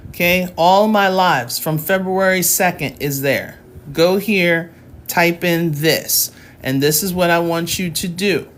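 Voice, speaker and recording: A woman's voice: lowish voice, takes it slowly. A woman math tutor in her forties, chatting and teasing her live chat between lessons, talking into her phone at home. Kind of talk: casual livestream lesson.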